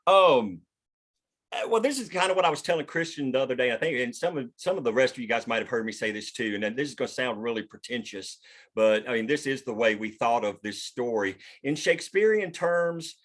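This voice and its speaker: Male writer-host, casual group discussion, halting mid-sentence pauses, mildly profane. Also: mid-range voice, lively intonation, fairly bright tone. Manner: halting, pausing mid-sentence to find words. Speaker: writer and host leading a table read.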